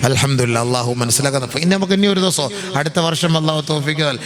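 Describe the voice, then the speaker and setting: A man preaching an Islamic sermon to a live gathering, moving from slow sing-song pleading to easy chatty asides. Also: fairly high pitch. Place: gathering before a live crowd. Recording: crowd noise in the background.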